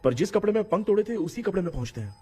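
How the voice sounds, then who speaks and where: A man's voice: high-pitched, big pitch swings, very fast, mellow, slightly rough, heavily acted. A man dubbing a nervous, pleading young man who keeps talking about a ghost, in a Hindi film dub. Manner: anxious, pleading. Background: film score music.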